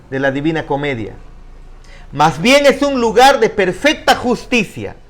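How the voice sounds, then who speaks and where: A man teaching an online discipleship class, emphatic and putting questions to his students. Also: fairly high pitch. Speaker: Bible teacher.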